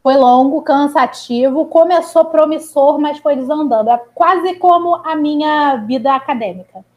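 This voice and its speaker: A woman's voice: sits high, normal speed, dull audio. A woman as a podcast guest, making dry, wry remarks. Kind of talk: casual podcast chat.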